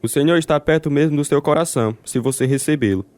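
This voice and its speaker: A man's voice: a little high, fast talker, a little mellow, no room sound, lightly acted. An actor playing a steadfast, devout Christian prisoner, a man narrating his own story in an earnest, resolute radio drama style.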